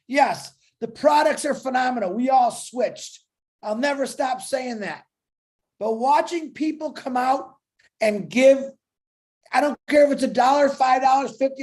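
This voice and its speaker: A man's voice: very high voice, a little mellow. Man, fervent, emphatic, motivational, casual home setting. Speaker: speaker on an online business chat. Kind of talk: passionate motivational talk. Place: home, dog barking outside.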